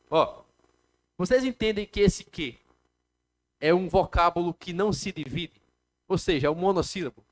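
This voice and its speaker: A man's voice: high-pitched, a bit bright. Brazilian man lecturing a class. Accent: Brazilian Portuguese. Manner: explains step by step, asks the class questions. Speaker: teacher. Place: classroom with students.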